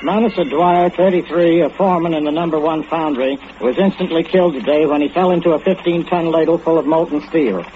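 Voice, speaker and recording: An actor playing a male radio newsreader giving a brisk, matter-of-fact news bulletin. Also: fairly high pitch, faint music behind, close to an everyday voice. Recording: tinny old radio recording, faint hiss.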